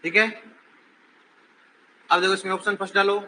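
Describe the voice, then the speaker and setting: A man's voice: sits high, little pitch movement, moderate pace, a little hiss or hum. A male teacher lecturing a classroom, quizzing and teasing his students and raising his voice to drill the answers. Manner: says he is shouting while teaching.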